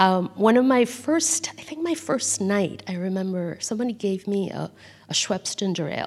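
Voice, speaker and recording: A woman with a Bengali accent speaks at a moderate pace and medium pitch. Her voice makes very wide pitch swings over noticeable background noise. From India. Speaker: author and editor. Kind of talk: moderated author conversation before live audience. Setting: stage with audience.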